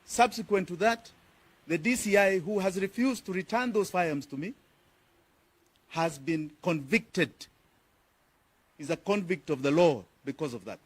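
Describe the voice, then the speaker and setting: A man's voice: high voice, a little slow, pauses often, slightly rough. A man with a Kenyan accent, a politician answering reporters' questions at a press conference in a firm, emphatic way, repeating key phrases.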